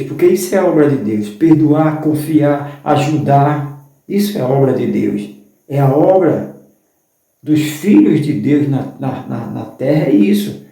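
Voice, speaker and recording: A man's voice: fairly high pitch, warm tone. A man preaching a fervent sermon as a pastor, with a Brazilian Portuguese accent and a repetitive style. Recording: very echoey room.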